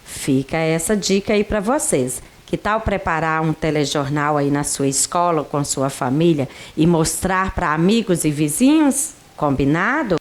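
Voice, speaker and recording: Animated woman teacher giving a lesson. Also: low voice, unhurried, few pauses. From Brazil. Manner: lively, addressing pupils directly. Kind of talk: recorded lesson for children.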